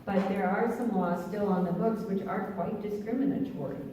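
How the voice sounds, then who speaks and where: Woman attorney, dark voice in a big hall. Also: mid-range voice, slight background noise. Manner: measured, hedging, thinks aloud. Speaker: attorney on a panel. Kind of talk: answering audience questions. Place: church hall at a public meeting. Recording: roomy hall, mic far off.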